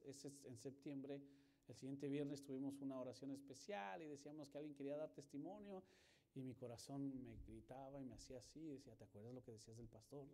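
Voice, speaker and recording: Animated, warm-voiced pastor. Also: male voice, mid-range voice. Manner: animated, swings from loud emphasis to hushed storytelling; acts out quoted dialogue in his telling. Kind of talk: sermon.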